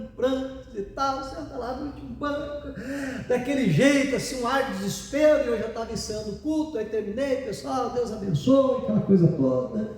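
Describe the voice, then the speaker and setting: A male pastor with a Brazilian Portuguese accent tells a story from the pulpit, chatty and qualifying his memory as he goes. His voice is high yet mellow. He is picked up from a distance, with the long echo of a large church hall around him. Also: a little hiss or hum. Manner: conversational, hedging and self-correcting as he recalls details. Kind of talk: storytelling sermon. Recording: echoey church hall from far off.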